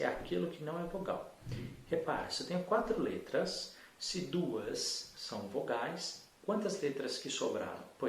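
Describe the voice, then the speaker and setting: Guy teaching adults to read, patient and chill, echoey room, mic kinda far, bit of hiss. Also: mid-range voice. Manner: patient, encouraging, talks to the learner directly. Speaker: literacy teacher. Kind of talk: adult literacy lesson.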